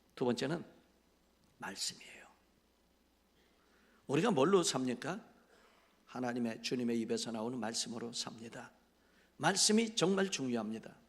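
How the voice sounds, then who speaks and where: The speaker has a Seoul accent and a moderate pace. Long, frequent pauses break up the speech. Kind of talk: preaching, sermon.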